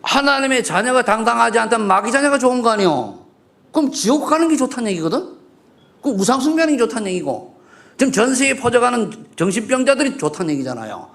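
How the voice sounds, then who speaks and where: A middle-aged pastor preaches to his congregation in a church, throwing out loud rising questions and then dropping to murmured asides. His voice sits high and has a gravelly edge. His pitch leaps and falls widely as he presses his points. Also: very animated, fast. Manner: asks the congregation questions and banters with them. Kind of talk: sermon. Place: church sanctuary.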